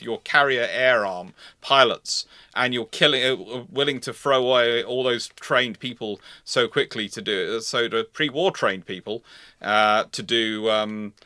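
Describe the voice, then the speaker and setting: A man hosting a live history talk, explaining off the cuff in a halting way, repeating and rephrasing for emphasis. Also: mid-range voice, pushed and bright, no room sound, studio quality. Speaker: host answering naval history questions.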